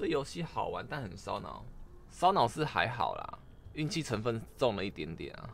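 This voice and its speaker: A man at a moderate pace, big swings in loudness, music playing in the background. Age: 30s. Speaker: game streamer. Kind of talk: live gameplay commentary with chat. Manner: animated, exclamatory.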